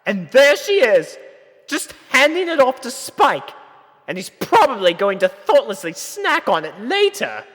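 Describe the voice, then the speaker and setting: Loud, haughty lady pony. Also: on the high side, big pitch swings, measured pace, big-room sound, pitched above the performer's own voice. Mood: indignant, scandalized. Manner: theatrical, indignant, grand. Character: haughty, dramatic adult female pony dressmaker.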